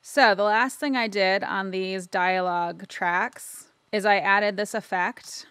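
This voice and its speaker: A woman narrating a casual, informal software tutorial, explaining step by step and checking in as she goes. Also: mid-range voice, fairly even intonation, slow, clean tone, dry recording. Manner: informal, explanatory, frequent "right?" tags. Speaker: audio editing instructor.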